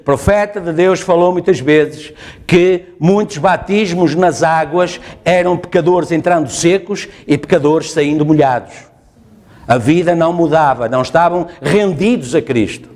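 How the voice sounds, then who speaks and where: A man's voice: a little high, darkish tone. A male pastor with a European Portuguese accent, preaching emphatically and repeating his phrases. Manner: emphatic, repeats phrases, asks the congregation "está a ver?". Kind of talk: sermon. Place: church.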